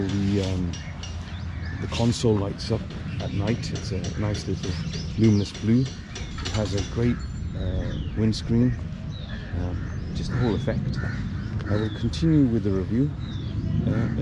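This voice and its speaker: A man giving a casual spoken motorcycle review, rambling with many ums and restarts as he stands beside the bike. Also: on the low side. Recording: loud outdoor noise behind the voice.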